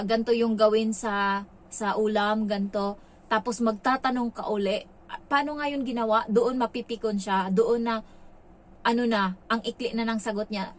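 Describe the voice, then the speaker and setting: A woman from the Philippines who works as a domestic helper, talking frankly to her viewers in a rambling, conversational way full of filler pauses. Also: medium pitch, slight background noise, rough recording. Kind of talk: casual vlog talk to viewers.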